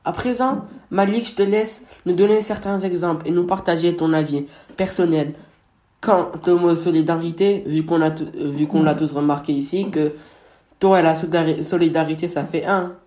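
A man's voice: fairly high pitch, fairly even intonation, normal speed, a little mellow. A man co-hosting a radio show about words, reading his part and teasing his partner playfully. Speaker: co-host of a word radio show. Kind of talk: scripted radio chat with teasing banter.

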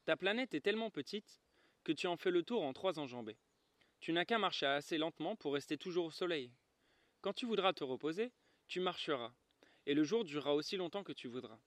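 A man's voice: fairly high pitch, expressive, fairly quick, a bit bright, no echo. A man voicing a curious little prince. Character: small boy prince, curious and gentle.

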